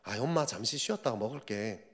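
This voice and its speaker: A man's voice: mid-range voice, lively intonation, a little fast, fairly bright tone, pitched below the performer's own voice, lightly acted. A man voicing a tired adult son who pleads with his mother to let him rest first, in an echoing church. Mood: weary. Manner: weary, pleading, then exasperated. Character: tired grown son, irritable after work. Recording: reverberant church hall.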